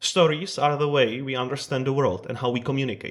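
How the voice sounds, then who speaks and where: At a fairly quick pace, a man with a Czech accent speaks on a very clean recording with a silent background. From Czech Republic. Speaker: video essayist. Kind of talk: scripted narration.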